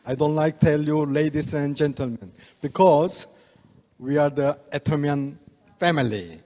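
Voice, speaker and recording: Older Korean man, slightly high voice. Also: darkish tone. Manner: halting broken English, chuckles often. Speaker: speaker, oriental medical doctor. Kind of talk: presentation to a live audience. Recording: reverberant hall.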